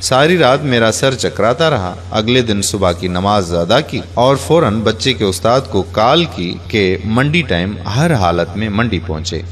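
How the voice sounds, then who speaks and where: A man's voice: fairly low pitch, expressive, few pauses. A man earnestly narrating a heartfelt first-person moral story, ending in pleading appeals to his listeners. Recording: long reverb on the voice.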